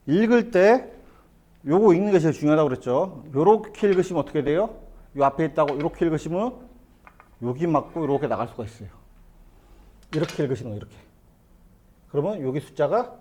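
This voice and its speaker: A middle-aged man giving a hands-on billiards lesson in a billiard hall, explaining step by step and asking the viewer quick questions as he plays. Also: fairly high pitch, a little mellow. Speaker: billiards instructor. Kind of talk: hands-on lesson, talking while playing.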